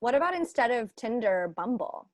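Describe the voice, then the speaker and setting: A woman comedian chatting as a guest, with dry, deadpan jokes. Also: fairly high pitch, normal speed, no room sound. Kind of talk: casual chat.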